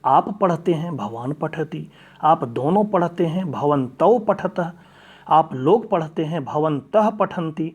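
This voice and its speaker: A man's voice: fairly high pitch, expressive, slow pace, darkish tone, breathy edge. A male teacher patiently explaining grammar step by step, reciting verb forms one after another. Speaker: Sanskrit teacher. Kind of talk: classroom grammar lesson.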